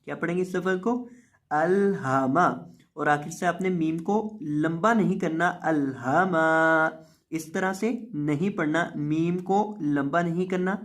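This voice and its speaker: A man's voice: on the high side, fairly even intonation, moderate pace. A man teaching Quran reading with an Urdu-speaking South Asian accent, spelling out letters one by one and drawing out the recited syllables in a step-by-step lesson.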